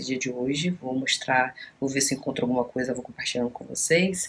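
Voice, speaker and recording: This woman's pitch shifts an ordinary amount, with light background noise behind her. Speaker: beauty vlogger. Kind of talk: casual vlog chat. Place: home room. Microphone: phone near.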